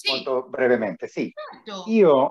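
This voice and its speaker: Speaking at a fairly slow pace with an English accent, a man uses lively intonation at a fairly high pitch. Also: quiet background. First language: English (speaking Italian). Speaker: adult student. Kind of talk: casual chat. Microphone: video call.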